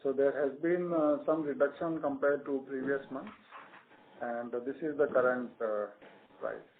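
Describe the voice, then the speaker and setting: Company executive, male, Indian accent. Explains haltingly on a conference call over a narrow, slightly noisy phone line. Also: medium pitch, fairly even intonation. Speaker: company executive answering analyst questions. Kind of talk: earnings call answers.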